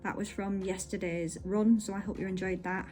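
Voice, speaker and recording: A woman's voice: medium pitch, level tone, normal speed, warm tone. A woman giving a casual, chatty vlog update in an informal, meandering way. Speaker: running vlogger.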